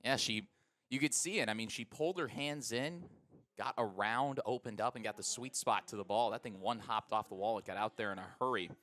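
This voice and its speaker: An American man giving conversational, explanatory color commentary on a live softball radio broadcast. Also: lowish voice, fairly quick.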